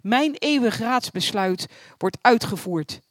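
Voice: mid-range voice, animated, slow pace, dry recording, clean studio sound. A storyteller voicing God as a male figure who speaks in solemn, proclaiming tones.

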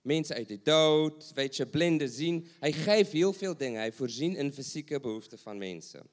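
A man's voice: fairly high pitch, animated, moderate pace. A man preaching a sermon, asking rhetorical questions and repeating phrases for emphasis.

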